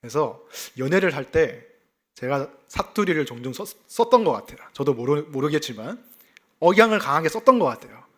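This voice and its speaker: In a fairly high-pitched, fairly quick voice, a man preaches from scripture with lively expository explanation. He is a pastor from South Gyeongsang, South Korea, who tells personal stories and often directs rhetorical questions at the congregation.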